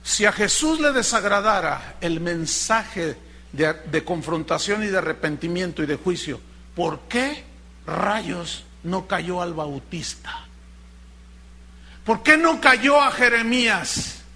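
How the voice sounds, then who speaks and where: A pastor preaching a sermon, firing off rhetorical questions with dramatic emphasis. His voice is unusually high and very bright. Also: animated, takes it slowly, a little hiss or hum.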